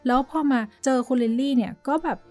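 A woman's voice: high voice, fast talker, dark tone, faint music behind. A woman co-hosting a podcast, telling a story in a chatty, hesitant way and dropping in English words. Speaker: podcast co-host. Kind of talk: casual chat.

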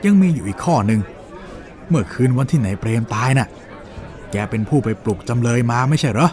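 A man's voice: mid-range voice, expressive, a little fast, crowd noise, close to an everyday voice. A man playing an insistent defence lawyer in a dramatised courtroom story, questioning in a pressing, pointed way. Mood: assured. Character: insistent male defence lawyer cross-examining a witness.

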